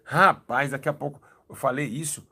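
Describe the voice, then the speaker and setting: A young Brazilian man, a pastor, giving a lively church testimony and acting out the dialogue as he tells it. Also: mid-range voice, normal speed, slightly rough. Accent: Brazilian Portuguese. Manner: animated storytelling, acting out dialogue.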